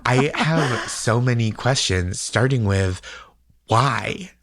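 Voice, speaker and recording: A man co-hosting a podcast in a relaxed, casual chat, attentive and encouraging toward his partner. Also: mid-range voice, takes it slowly, no echo. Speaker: podcast co-host.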